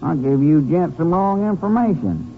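Wry, higher-voiced dock dispatcher. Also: male voice, animated, moderate pace, soft background music. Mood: businesslike. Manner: laconic, offhand. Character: cagey, wry waterfront hiring-hall dispatcher. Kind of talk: 1950s radio drama acting. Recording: muffled, noisy 1950s radio recording.

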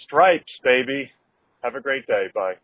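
A man's voice: mid-range voice, animated, measured pace, no echo. Man on a tinny phone line. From United States. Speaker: listener calling in. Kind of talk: voicemail message.

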